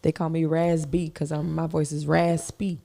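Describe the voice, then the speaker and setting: A woman with a raspy, gravelly voice co-hosts a podcast while a little under the weather. She talks in a loose, chatty way and laughs often. Her tone is dark and mellow. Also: low voice, level tone, normal speed. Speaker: podcast co-host. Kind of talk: casual chat.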